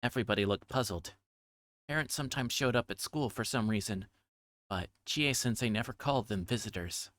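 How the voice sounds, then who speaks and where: A man's voice: medium pitch, brisk, fairly bright tone, no echo, studio quality. Man reading a game aloud on stream. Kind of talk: livestream game read-along with casual commentary.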